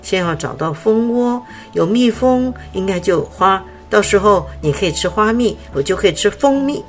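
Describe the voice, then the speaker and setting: A woman's voice: medium pitch, expressive, normal speed, soft background music, close to an everyday voice. A woman voicing an earnest, anxious young male black bear cub in a storybook, with a childlike, eager voice. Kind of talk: storybook character voice.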